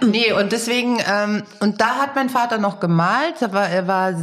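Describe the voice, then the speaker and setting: A woman's voice: medium pitch, unhurried. A middle-aged woman talking candidly and reflectively as an interview guest, thinking aloud as she tells personal stories. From born in Liberia, raised in southern Germany from age seven. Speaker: interview guest, art director and stylist.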